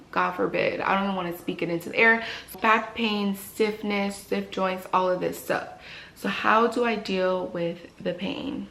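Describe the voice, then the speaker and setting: A woman's voice: lowish voice, vocal fry, fairly bright tone. A woman who works as a dental hygienist, giving casual, encouraging advice and repeating phrases for emphasis. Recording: echoey room with faint noise.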